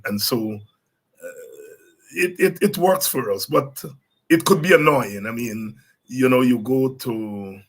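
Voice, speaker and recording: A Guyanese man hosting a political talk show, speaking in a relaxed, animated way with laughing asides and frequent restarts. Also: medium pitch. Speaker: host. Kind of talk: casual political commentary.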